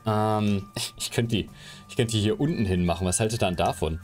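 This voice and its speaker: A man's voice: fairly low pitch, fairly quick, a little mellow, faint music behind. Rambling young man streaming from home. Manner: chatty, rambling while fiddling with his camera setup. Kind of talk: casual live stream chat. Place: home room, indoors. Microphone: headset.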